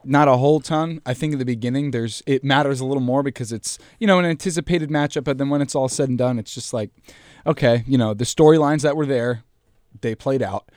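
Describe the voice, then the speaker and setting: A young man talks sports in a relaxed, unhurried way. His voice sits mid-pitch. The recording is dry and close. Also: dry recording. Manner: relaxed, laid-back, many fillers. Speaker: podcast co-host. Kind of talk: casual sports talk.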